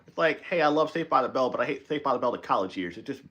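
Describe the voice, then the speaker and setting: A man hosting a live stream in casual chat, animated and rambling, often correcting himself and laughing. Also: medium pitch, rapid-fire.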